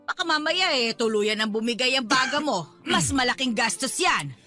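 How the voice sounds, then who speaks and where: A caring, exasperated Filipino mother in a radio drama. She nags in a high, sharp voice with very lively pitch movement, over faint music. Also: moderate pace. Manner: nagging, exasperated.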